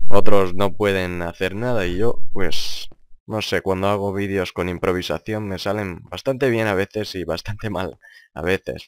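Deep-voiced serious young man, rambling commentary. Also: no echo. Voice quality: deep, grave voice. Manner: serious, rambling, repeats himself. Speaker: gaming video creator. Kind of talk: improvised casual gameplay commentary.

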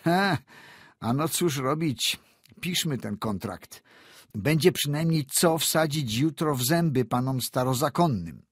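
A man's voice: mid-range voice, lively intonation, measured pace, husky, dry recording, studio quality, pitched above the performer's own voice. A male narrator voicing a boastful young landowner who blusters and haggles with mocking laughs.

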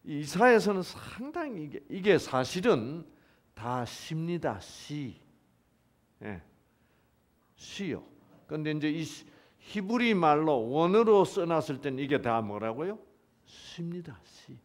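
Speaking slowly in a fairly high voice, a middle-aged man delivers a lively church lecture about the Bible. He questions his listeners along the way, cracking jokes and laughing.

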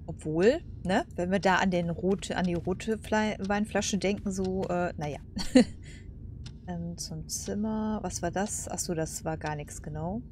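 A woman's voice: fairly low pitch, unhurried, a little mellow, a little hiss or hum. A woman giving casual, chatty let's play commentary, musing aloud as she plays. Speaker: gaming host.

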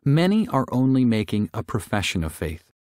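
A man reading a Christian audiobook in a measured, earnest, clearly articulated way, as scripted narration. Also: medium pitch, big pitch swings, a little mellow, dry recording, clean studio sound.

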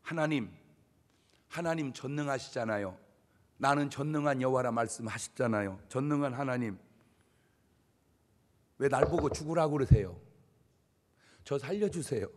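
A man puts on a desperate believer begging God to spare him. The voice sinks low and soft and stays earnest throughout. It is slightly husky and trails a long reverb from a big hall. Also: expressive, moderate pace, pauses often, close to an everyday voice. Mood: pleading. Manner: quiet, earnest pleading.

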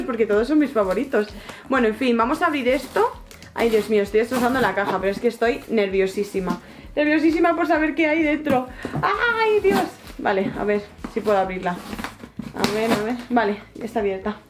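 Gushing young woman, high voice. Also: fast talker, noisy background. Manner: gushing, repeats herself, squeals with delight. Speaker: book and collectibles vlogger. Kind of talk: excited casual unboxing chat.

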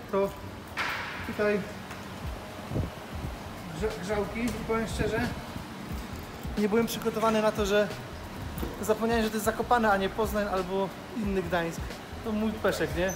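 High-pitched jokey male vlogger. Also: background noise. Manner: jokey, informal. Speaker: vlog host. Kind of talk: casual vlog chat to camera. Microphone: phone at arm's length. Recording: handheld phone with music underneath. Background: music.

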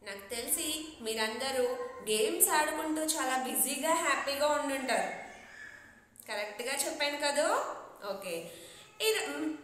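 Bright-voiced teacher woman in echoey room. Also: sits high, normal speed, pauses often, slight background noise. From India. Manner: cheerful, coaxing, asks children questions. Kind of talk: classroom lesson teaching letters to children.

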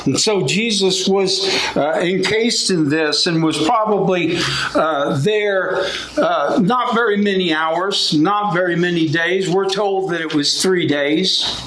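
Man, middle-aged, pastor, preaching, high voice, lectern mic, echoey sanctuary. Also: takes it slowly, a bit bright. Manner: gestures widely and paces behind the pulpit. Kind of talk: sermon. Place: church sanctuary with congregation. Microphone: lectern microphone. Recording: roomy church sound with faint ambience.

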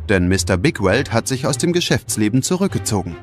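Guy narrating kids audio story, really lively delivery, music playing behind. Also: lowish voice, fairly quick. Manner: dramatic storytelling. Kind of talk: scripted children's audio play narration.

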